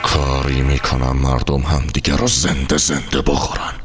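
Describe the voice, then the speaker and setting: A man's voice: very deep voice, level tone, fairly bright tone, slightly rough, faint music behind, exaggerated voice. A man voicing a ruthless male villain in a cartoon dub, making cold, menacing threats. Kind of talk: film dub.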